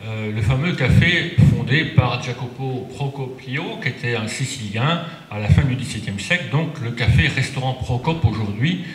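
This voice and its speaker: A middle-aged male researcher giving a conference talk at a panel table, measured and hesitant, with many fillers. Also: medium pitch, expressive. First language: French. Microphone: table mic on stand. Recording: echoey room with audience.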